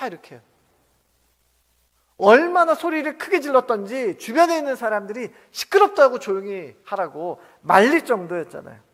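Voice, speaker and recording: Male pastor, high voice, sermon, echoing church hall, questions to the congregation, soft to loud. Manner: asks the congregation many questions, dramatic shifts between soft and loud. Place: church sanctuary. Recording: long reverb of a church hall.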